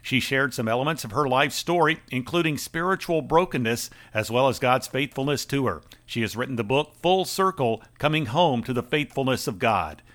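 A man's voice: mid-range voice, moderate pace, hardly any pauses, fairly bright tone, dry recording. A man hosting a Christian radio interview show, asking long rambling questions and laughing easily.

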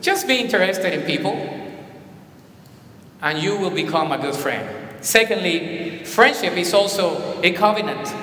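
A man with a Colombian accent preaching a sermon in an animated way, with emphatic repetitions. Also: high voice, unhurried, pauses often. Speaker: pastor. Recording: echoey hall with long reverb.

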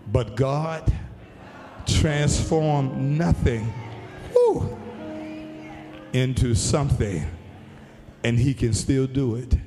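A man with an African American accent preaches slowly and fervently in a big, echoing church hall. He stretches and repeats his phrases for emphasis, calling on the congregation to answer, while an instrument plays underneath. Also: mid-range voice. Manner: emphatic, repetitive preaching with drawn-out phrases and rises into shouts. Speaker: pastor preaching. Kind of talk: fervent church sermon with call and response. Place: large reverberant church hall. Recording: long hall reverb, music under the voice. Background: musical instrument playing under the preaching.

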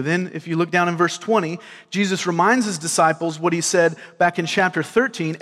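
A man in his thirties with a Southern US accent, preaching a sermon in an earnest, conversational way, often checking in with a quick "right?". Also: on the high side. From grew up in California and Georgia. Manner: earnest, repeats words, asks the crowd "right?". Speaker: pastor. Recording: long hall reverb.

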